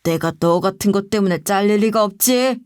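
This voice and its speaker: A woman's voice: mid-range voice, normal speed, darkish tone, clear, resonant tone, no echo, studio quality, close to an everyday voice. A woman reading the part of a smug, scheming male office manager who gloats and sneers. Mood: gloating.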